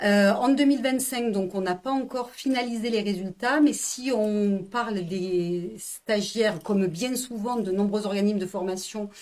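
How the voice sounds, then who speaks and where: The delivery moves at a fairly slow pace. There are hardly any pauses. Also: woman, medium pitch for a woman, ordinary pitch variation. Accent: southern French. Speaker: director of a teacher exam prep company. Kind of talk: online information session. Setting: live stream. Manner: hesitant, many fillers.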